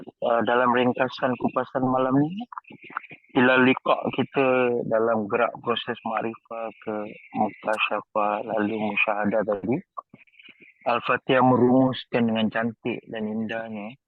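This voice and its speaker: A man's voice: mid-range voice, level tone, measured pace, dry recording. A man with a Malaysian Malay accent, a participant addressing his teacher with a flowery, reflective question that is full of Arabic terms and hesitant "eh" fillers. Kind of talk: reflective question in a study session. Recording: tinny phone-line sound, very dry.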